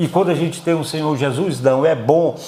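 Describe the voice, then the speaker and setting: Speaking at a moderate tempo, this man lets his pitch vary in an ordinary way. He has a plain, everyday voice, pitched fairly high. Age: 60s. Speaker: pastor and TV show host.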